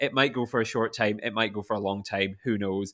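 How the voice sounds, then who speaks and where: With a slight Scottish accent, a man talks at a very fast pace. The recording is very clean with a silent background. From Scotland. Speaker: podcast host and zoo educator. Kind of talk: casual chat. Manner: conversational with many fillers.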